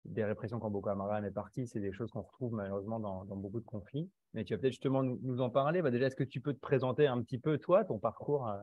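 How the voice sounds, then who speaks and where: A man hosts a live online interview in a friendly, easygoing way, often laughing and filling pauses as he thinks. His voice is mid-pitched. The sound is dull and dry, with little room around it. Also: no echo. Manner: friendly, laughs easily, hesitant fillers. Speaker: host.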